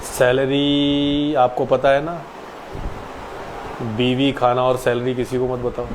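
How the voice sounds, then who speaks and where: A man in his late twenties answers viewers' questions in an easy, polite live chat, calling each of them by name with a respectful "ji". His voice sits at an ordinary middle pitch. A faint air-conditioner hum runs behind him. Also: completely flat delivery, takes it slowly. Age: 20s. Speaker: actor hosting a live Q&A.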